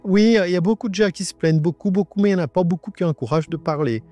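A man in his nineties gives a halting personal testimony in a radio interview. His voice is disguised by an AI voice changer. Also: high-pitched, mellow, soft background music. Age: 90s. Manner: halting, with many restarts and repetitions. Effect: voice altered by an AI voice changer.

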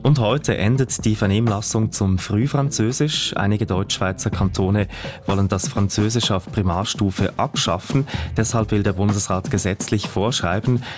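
A Swiss man presenting the radio news in a measured, formal way. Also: on the low side, steady tone, music in the background. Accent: Swiss German.

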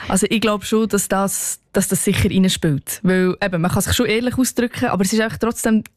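A woman's voice: mid-range voice, fairly even intonation, a little fast, no room sound. A young woman with a Swiss German accent, a singer-songwriter guest answering in a thoughtful, hesitant way. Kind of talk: radio interview.

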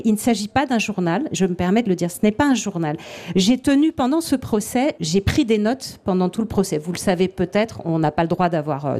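Mellow-voiced woman, halting thoughtful speech. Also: mid-range voice. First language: French. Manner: thoughtful, halting, frequent restarts. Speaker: author and literary translator. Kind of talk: radio interview answers.

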